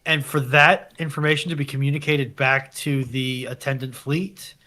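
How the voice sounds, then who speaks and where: Bright-voiced man thinking out loud. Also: medium pitch, little pitch movement, normal speed. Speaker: panellist on live discussion stream. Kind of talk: casual speculative discussion.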